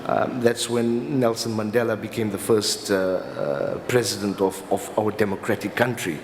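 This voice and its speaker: A man's voice: on the low side, fairly even intonation. South African man speaking in a reverberant hall. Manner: halting, hesitant delivery with repeated words. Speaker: company lawyer speaking as a summit panelist. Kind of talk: explanatory conference talk. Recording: reverberant hall with clear background noise.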